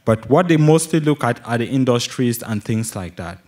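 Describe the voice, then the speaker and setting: A man's voice: medium pitch, expressive, moderate pace, darkish tone. A young man from Cameroon with a Cameroonian accent, commenting from the audience as a student, in an explanatory way. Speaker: audience questioner, geology PhD student. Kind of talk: question and comment from the floor.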